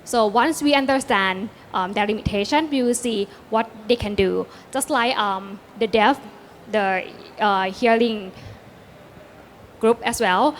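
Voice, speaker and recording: A woman's voice: fairly high pitch, measured pace, a little hiss or hum. A woman with a Thai accent, a native Thai speaker, talking on a discussion panel in English with many hesitant fillers.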